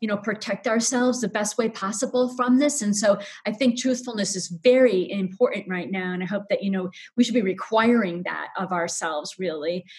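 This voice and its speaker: Her pace is fairly quick, and her voice sits at a medium pitch for a woman. She sounds somewhat breathy, with ordinary pitch variation. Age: 60s. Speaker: children's book author. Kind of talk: interview. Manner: halting, many fillers.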